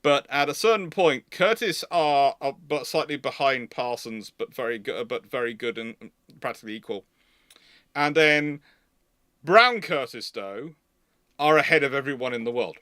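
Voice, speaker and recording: Bright-voiced man rambling through explanations. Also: medium pitch, animated, normal speed, no room sound, studio quality. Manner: rambling, often repeats and restarts phrases. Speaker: host of a live naval history Q&A. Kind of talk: live unscripted explanatory talk.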